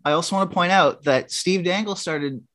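A man's voice: high voice, normal speed, fairly bright tone, dry recording, clean studio sound. A man, a guest sports writer, chatting enthusiastically with frequent restarts. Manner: enthusiastic, many restarts and stammers. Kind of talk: casual sports chat.

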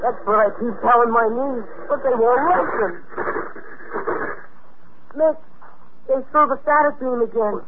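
A man's voice: very high voice, measured pace, long pauses, background noise. An actor playing a nervous, reluctant boy sidekick in a 1950s radio drama, comically fearful and grumbling wryly. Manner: anxious, wry grumbling. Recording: tinny 1950s radio broadcast recording.

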